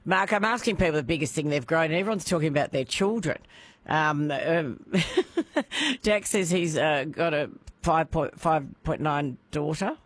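A woman's voice: low voice, normal speed, no room sound. Chatty woman radio host. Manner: chatty, laughs easily, playful. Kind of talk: talkback radio chat.

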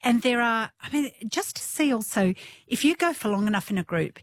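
A woman in her fifties with a low alto voice, a physiotherapist talking enthusiastically on radio. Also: lively intonation, fairly quick, no echo, studio quality. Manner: enthusiastic, warm, laughs often. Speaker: physiotherapist guest. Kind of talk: casual radio interview.

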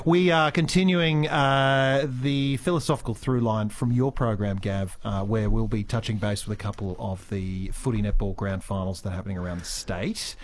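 Playful radio presenter. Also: male voice, on the low side, steady tone, normal speed, hardly any pauses. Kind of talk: casual talkback radio chat. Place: radio studio.

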